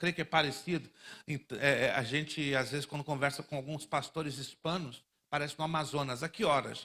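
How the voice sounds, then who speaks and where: In a very clean recording with a silent background, a man talks at a fairly quick pace. He has a plain, everyday voice with fairly high pitch. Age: 60s. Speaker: guest pastor. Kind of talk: sermon.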